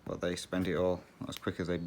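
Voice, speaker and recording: A man's voice: sits low, completely flat delivery, a little fast, a little hiss or hum. A man hosting a cross-stitch channel, chatting casually and rambling while he stitches, often laughing.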